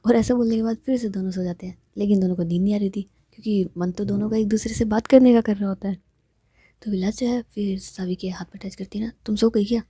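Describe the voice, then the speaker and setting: A woman narrating a love story in a soft, half-whispered storytelling manner. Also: medium pitch, fairly even intonation, fast talker, husky, no echo, clean studio sound.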